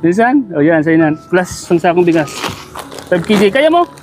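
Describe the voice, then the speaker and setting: A fairly high-pitched man talks casually outdoors, kind and encouraging. He keeps checking in with quick, repeated little questions. Music plays clearly underneath the whole recording. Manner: encouraging and kindly. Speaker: vlogger handing out gifts. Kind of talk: casual on-the-street chat. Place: outdoors on a sunny street.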